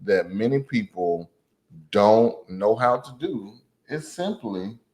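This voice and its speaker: A man's voice: on the low side, lively intonation, slow pace, a little mellow. A man co-hosting a podcast in casual chat, easygoing, laughing often and repeating his phrases. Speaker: podcast co-host.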